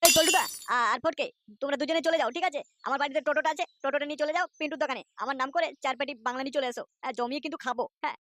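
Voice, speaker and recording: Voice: sits high, rapid-fire, a bit bright, slight background noise. An actor voicing a carefree, boastful, boozy layabout father in a comic cartoon, with a West Bengal accent and slangy, cajoling banter.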